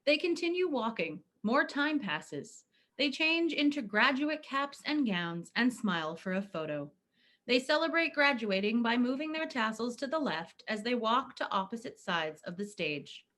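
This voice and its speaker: A woman narrates the stage directions for a play reading. Her voice is fairly high, and her intonation moves freely as she reads from the script. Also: sing-song, unhurried, a bit bright.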